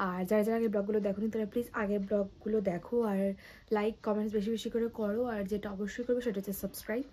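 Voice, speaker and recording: A young woman with a Bengali accent chatting casually to her phone camera at home, keeping her voice low because her family is asleep. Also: fairly even intonation, racing. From India. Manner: speaks softly at night, half whispering. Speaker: vlogger. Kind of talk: casual vlog chat.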